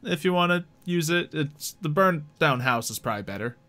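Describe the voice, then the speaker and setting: A man's voice: fairly high pitch, lively intonation, moderate pace, pushed and bright. A man acting as game master, narrating a tabletop roleplay in an easygoing, conversational way.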